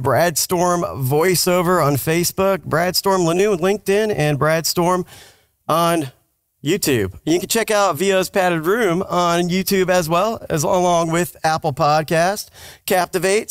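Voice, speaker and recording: Higher-voiced man, dry close podcast sound. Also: unhurried, smooth, no echo. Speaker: podcast host. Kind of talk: casual chat.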